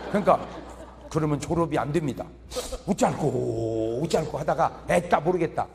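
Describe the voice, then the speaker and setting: High, lively joking preacher man. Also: moderate pace, gravelly, big-room sound, some chatter behind. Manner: animated, joking, chuckles through lines. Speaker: pastor. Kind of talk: humorous revival sermon.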